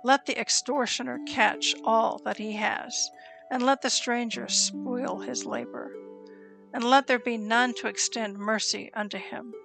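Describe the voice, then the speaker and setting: A woman giving a slow, solemn reading of scripture, with deliberate pauses between phrases. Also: fairly high pitch, fairly even intonation, gravelly, rough recording. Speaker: scripture reader. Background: soft instrumental music.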